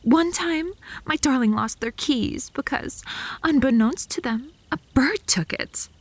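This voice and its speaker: A woman's voice: sits high, expressive, measured pace, no echo, exaggerated voice. A woman playing a possessive, lovesick, bratty vampire in a comedic ASMR roleplay, haughty and theatrical, by turns flirty and threatening.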